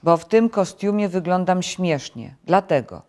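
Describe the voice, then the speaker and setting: A woman's voice: fairly low pitch, lively intonation, measured pace, darkish tone. A woman voicing a fussy, easily upset male toad who complains emphatically.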